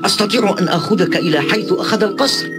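An actor playing a polite, obedient genie in a cartoon dub, deferential and formal. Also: male voice, high voice, racing, natural voice. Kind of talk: dubbed cartoon acting. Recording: loud music under the voice.

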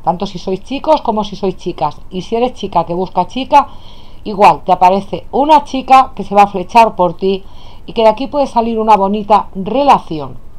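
A woman with a Spain Spanish accent giving a tarot card reading to her viewers, calling them "my loves" warmly as she lays out cards at a table. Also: mid-range voice, animated, moderate pace, low-quality recording. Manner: affectionate, addresses viewers as "my loves". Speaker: tarot reader. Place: indoors at a table, hands only on camera.

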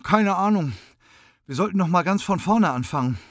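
A man voicing a young female police officer who talks briskly and matter-of-factly. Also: high voice, expressive, no room sound, clean studio sound, pitched above the performer's own voice.

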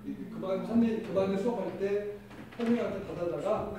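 A man's voice: high voice, brisk, background noise. A middle-aged man giving an informal, instructive classroom demonstration as a teacher, often checking in with his listeners. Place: indoor classroom. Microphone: far camera. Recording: echoey classroom, distant mic, music.

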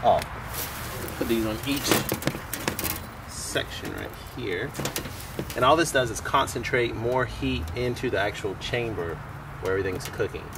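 A man in his thirties hosting a casual how-to vlog outdoors in a backyard, chatting in a loose, relaxed way with restarts. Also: medium pitch, unhurried, long pauses, far from the mic. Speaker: host. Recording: outdoor noise behind.

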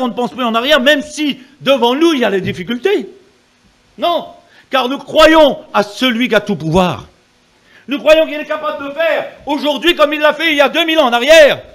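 A male preacher delivering a fervent sermon in a high voice. His pitch leaps and dives as he presses the congregation for amens. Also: a bit bright. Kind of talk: evangelical sermon.

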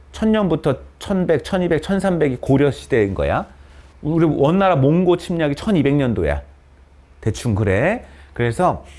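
A man lecturing a class of students in a classroom. His voice sits a little high and rises and falls a great deal. He keeps asking questions of the students and answering them himself. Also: darkish tone. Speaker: Korean literature teacher. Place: cram school classroom with students present.

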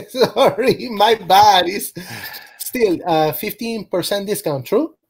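A man's voice: high voice, slow, breathy edge, heavily acted. A man reading a flustered, flamboyant young gay customer with a slight Hispanic accent over a video call.

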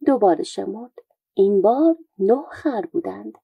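A woman storyteller calmly narrating folk tales in a steady reading voice. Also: medium pitch, creaky, breathy edge, no echo, narrow, tinny audio.

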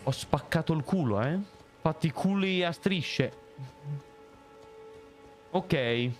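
A young man streaming a game live, reacting loudly and hurling playful insults at enemies. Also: a little high, slow pace. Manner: excitable, swears and yells insults at enemies. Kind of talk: live gameplay commentary. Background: game music.

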